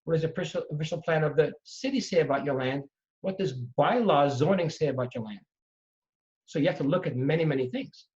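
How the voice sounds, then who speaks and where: Animated middle-aged man on muffled audio. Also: fairly high pitch, brisk. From Trinidad and Tobago. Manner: animated, emphatic storytelling. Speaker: real estate investor guest. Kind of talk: storytelling in conversation. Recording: dull lo-fi audio.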